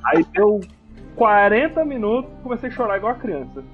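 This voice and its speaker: A man's voice: high-pitched, sing-song, moderate pace, phone-quality sound, faint music behind. A man in casual podcast chat, talking in an emotional, exclamatory way.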